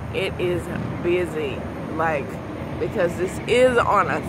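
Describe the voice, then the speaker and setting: Very slow speech with loud background noise and a dry sound with no echo. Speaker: vlogger. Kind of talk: casual vlog chat. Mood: excited, upbeat. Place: street. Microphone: phone near.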